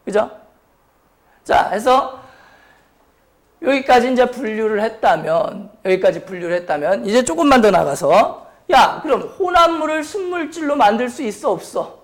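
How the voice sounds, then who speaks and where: A man's voice: very high voice, very animated, normal speed. A man with a strained, sore throat lecturing as a science teacher, blunt and informal, often putting questions to the class. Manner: question-and-answer delivery, repeatedly prompting students; blunt, informal speech to students. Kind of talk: high school chemistry lecture.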